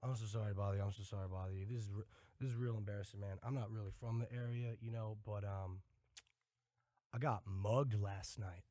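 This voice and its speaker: A man's voice: fairly low pitch, fairly even intonation, brisk, dark tone, dry recording, pitched below the performer's own voice, close to an everyday voice. A man putting on a sheepish street hustler. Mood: apologetic pleading. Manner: apologetic, pleading, words oddly stressed. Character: disheveled male street hustler, apologetic.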